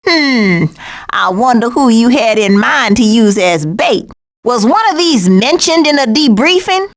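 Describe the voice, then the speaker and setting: Sassy, high-pitched streetwise cartoon critter. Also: female voice, animated, unhurried. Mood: sassy, sarcastic. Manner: sassy, blunt, sarcastic. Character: sassy, streetwise, tough-talking female cartoon animal. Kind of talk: animated video game voice acting.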